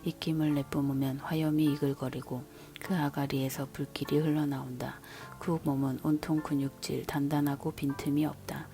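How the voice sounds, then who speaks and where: A woman's voice: deep voice, little pitch movement, moderate pace, hardly any pauses. A woman whispering God's challenging questions. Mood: describing. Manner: unvoiced whisper. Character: almighty God questioning a man. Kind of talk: whispered scripture reading. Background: soft background music.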